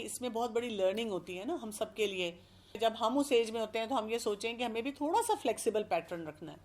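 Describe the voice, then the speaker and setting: A woman speaking as an expert guest, explaining calmly and working through everyday examples. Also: fairly high pitch. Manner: calm, explanatory, gives examples. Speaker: expert guest giving parenting advice. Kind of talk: advice talk.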